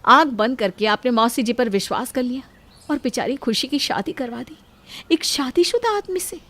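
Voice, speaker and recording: A woman's voice: sits high, normal speed, fairly bright tone. A woman voicing characters in an audio story, speaking in a lamenting, scolding way. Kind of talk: dramatic storytelling dialogue.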